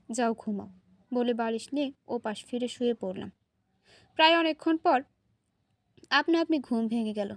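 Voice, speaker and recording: Woman storyteller, high-pitched, expressive first-person reading, dry sound. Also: no echo.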